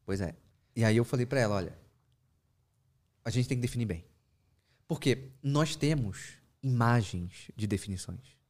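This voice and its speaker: A man, a therapist telling a session story and explaining ideas in a conversational teaching talk, with lively pitch jumps and asides. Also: moderate pace, long pauses. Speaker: therapist speaking about his practice.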